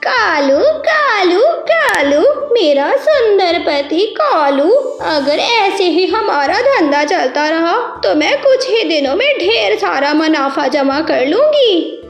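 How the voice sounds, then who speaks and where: A woman's voice: extremely high pitch, sing-song, takes it slowly, heavily acted. A woman voicing a greedy, scheming female crow in a cartoon, grumbling and plotting with her husband. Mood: gloating. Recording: echoey with background music.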